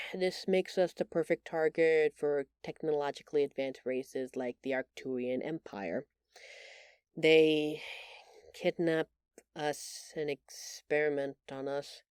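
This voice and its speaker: An actress plays a timid, tender alien woman in a science fiction audio roleplay. Her voice sits a little low and moves slowly, with halting, earnest phrasing. The sound is very dry and intimate. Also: a little mellow, clean tone, no echo. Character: gentle, timid bioluminescent alien woman, shapeshifter in human exile.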